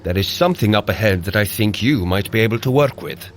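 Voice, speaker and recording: An actor playing a hearty, bumbling god of thunder in an audio drama, speaking in grand, archaic heroic phrases. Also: male voice, fairly low pitch, expressive, fast talker, a little hiss or hum, natural voice. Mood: hearty, urging. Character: boisterous, hearty god of thunder, bumbling good-natured brother. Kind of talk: audio drama fitness adventure.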